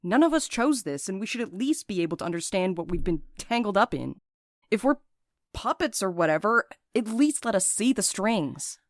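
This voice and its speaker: A woman's voice: medium pitch, very animated, normal speed, no echo, clean studio sound. A woman playing a combative, sarcastic courier with a short fuse in an audio drama, blunt and biting in manner. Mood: defiant.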